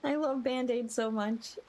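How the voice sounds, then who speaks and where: A woman's voice: high voice, a little mellow. A woman livestreaming a game, chatting casually and gushing in a friendly way to her viewers. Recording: game music behind the voice.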